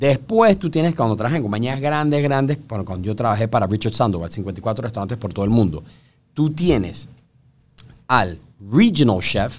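A man with an ordinary speaking voice talks at a moderate pace and a medium pitch. His intonation is lively, and the recording is very clean with a silent background. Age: 40s. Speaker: chef and restaurateur. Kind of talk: casual chat.

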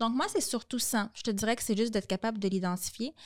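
With a plain, everyday voice, a woman talks at a fairly quick pace with ordinary pitch variation, the sound dry and close with no echo on a very clean recording against a silent background. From Montreal, Quebec. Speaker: tax lawyer and real estate investor. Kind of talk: casual chat.

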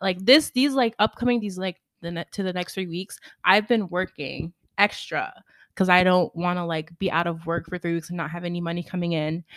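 It is an ordinary speaking voice at a moderate pace with ordinary pitch variation, recorded dry and close with no echo on a very clean recording with a silent background. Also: woman. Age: 20s. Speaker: podcast co-host. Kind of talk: casual chat.

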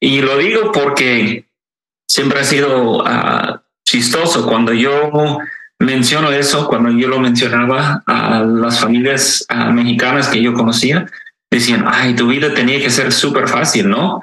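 A man with an American accent at a fairly slow pace, his loudness very even. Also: medium pitch for a man, ordinary pitch variation. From USA. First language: English (speaking Spanish). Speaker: father and educator. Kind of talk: casual chat. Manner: hesitant with fillers.

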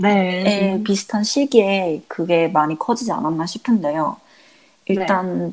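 Her pitch sits in the medium range for a woman, and her intonation is lively. She speaks at a fairly slow pace. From South Korea and United States. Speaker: podcast co-host. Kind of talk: casual chat. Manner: halting.

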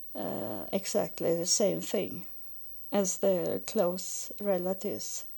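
A woman with a non-native accent speaks very slowly at a medium pitch, with lively intonation. Her tone is dark and mellow, with some vocal fry. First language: not English. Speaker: podcaster. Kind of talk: monologue. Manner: halting.

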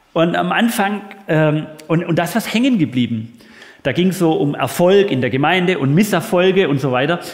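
Over noticeable background noise, a man with a high pitch and warm tone speaks at a moderate pace, his intonation lively and his loudness very even. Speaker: preacher. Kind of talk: sermon in church. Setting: church with live audience. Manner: warm, earnest and lively, direct address to the congregation; conversational, with humor and fillers.

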